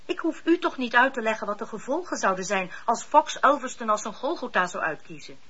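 An actress playing a shrewd, poised colonel's wife in a period radio drama, cultivated and pointed in speech. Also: female voice, on the high side, big pitch swings, brisk, fairly bright tone, slightly rough, exaggerated voice. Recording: dull, muffled old radio recording.

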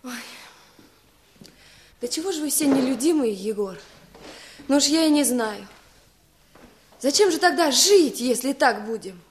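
An actress playing a lonely young peasant wife in a radio play, plaintive and reproachful. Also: female voice, high voice, lively intonation, measured pace, long pauses, slight background noise.

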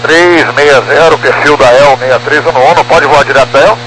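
A man's voice: medium pitch, a little fast, fairly bright tone. Brazilian pilot guy talking on his cockpit headset, short clipped radio calls, noisy radio static. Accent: Brazilian Portuguese. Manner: clipped, formulaic radio phraseology. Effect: pilot speaking over a cockpit headset radio. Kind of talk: air traffic radio calls. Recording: noisy aviation radio channel.

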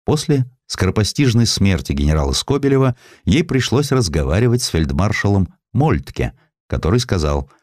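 A man reading a historical sketch as a scripted literary narration, in a measured, expressive storytelling manner. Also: fairly low pitch, no room sound, clean studio sound. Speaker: audiobook narrator.

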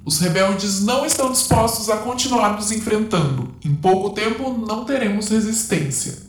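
A woman's voice: mid-range voice, expressive, moderate pace, natural voice. An actress playing an obsequious, ambitious female general with a formal, deferential manner in an audio drama. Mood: servile. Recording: roomy reverb over music bed.

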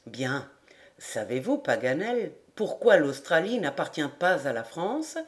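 Dry old major, woman doing him, low soft and slow, teasing quietly, audiobook. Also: sing-song. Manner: low, unhurried, understated. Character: dry, calm older male army major, quietly teasing.

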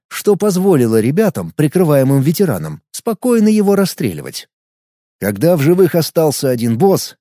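A man narrating a first-person audiobook in a lively reading manner. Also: on the high side, no room sound, clean studio sound. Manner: lively reading, shouting out dialogue lines.

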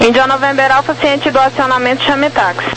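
A man's voice: very high-pitched, flat delivery, fairly quick. A man with a Brazilian accent working as a tower air traffic controller, giving procedural instructions over the radio. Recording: faint hum and radio noise.

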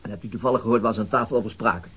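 Male, radio play detective: easygoing, dry humour, hesitant informal delivery, slightly rough tone. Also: lowish voice, rapid-fire, a bit bright. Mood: probing, casual. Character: easygoing, dryly amused male police detective. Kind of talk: naturalistic radio drama acting.

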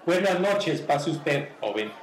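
A man plays a prim, upright gentleman in a homemade radio drama. He is stiffly formal and politely indignant, with a slightly high voice. The recording echoes in a roomy space. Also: lively intonation, takes it slowly. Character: prim, courteous male gentleman of justice. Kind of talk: amateur radio drama acting. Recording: roomy echo.

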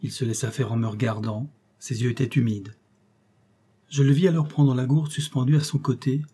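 A man narrating a classic novel in a steady, expressive reading. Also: medium pitch, normal speed, husky. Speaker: audiobook narrator. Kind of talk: scripted narration.

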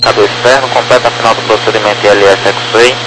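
A man's voice: lowish voice, fairly even intonation, fast talker. A Brazilian man working as an air traffic controller, reading out procedural instructions over an aviation radio. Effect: aviation radio transmission. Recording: noisy radio with hum.

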